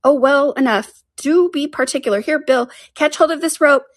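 Bossy little storybook animal workers, all acted by a woman, pitched very high. They bustle and hand out brisk orders in a very dry recording. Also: no echo, close to an everyday voice. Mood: bustling, bossy. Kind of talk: storybook character voice.

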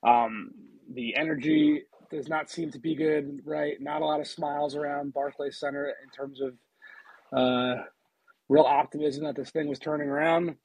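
Husky man hosting a sports podcast. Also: fairly high pitch, normal speed, darkish tone, dry recording, rough recording. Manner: chatty, many restarts, eating a sandwich while talking. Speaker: podcast host and NBA reporter. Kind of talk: casual sports podcast talk.

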